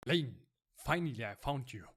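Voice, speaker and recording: Man acting husky, urgent video game rescuer. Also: medium pitch, animated, moderate pace, voice pushed up. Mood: urgent, relieved. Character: male game character, urgent, helpful rescuer. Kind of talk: recorded video game dialogue.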